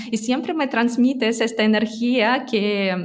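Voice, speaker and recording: Speaking with a Russian accent, a woman talks. Her pace is fairly slow. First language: Russian (speaking Spanish). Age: 30s. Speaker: marketing consultant and entrepreneur. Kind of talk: interview.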